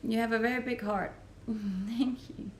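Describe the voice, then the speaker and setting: A woman's voice: a little high, fairly even intonation, a little slow, darkish tone, a little hiss or hum. A woman with a Danish accent, chatting easily on a livestream from her rented home, reading out and answering viewer comments and laughing often. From Denmark. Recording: roomy echo.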